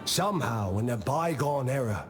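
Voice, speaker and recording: An actor playing a wise old tribal diplomat in a video game, speaking in a measured, solemn and philosophical way, calm and patient with a gently stern edge. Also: male voice, medium pitch, lightly acted. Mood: measured, teaching. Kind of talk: scripted video game character monologue. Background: music.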